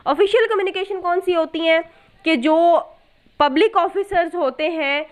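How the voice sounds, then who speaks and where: A woman with a distinctly high-pitched voice and a South Asian accent teaches law in lecture style. She explains point by point, poses questions and then answers them, and switches into English for technical terms. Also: normal speed. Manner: explains step by step with rhetorical questions and examples; code-switches between Hindi-Urdu and English terms. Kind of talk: explanatory lecture on statute articles.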